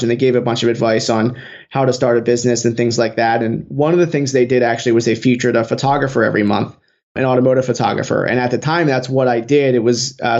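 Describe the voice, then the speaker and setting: A man's voice: medium pitch, a little mellow. Man, late twenties, earnest, fluent, dull lo-fi sound. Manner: earnest, fluent with some "you know" fillers. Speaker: guest, social media marketer. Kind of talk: interview storytelling.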